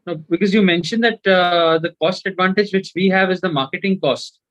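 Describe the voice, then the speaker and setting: A man's voice: sits high, brisk, fairly bright tone, no echo. A man, an individual investor putting questions to management over a muffled conference call line.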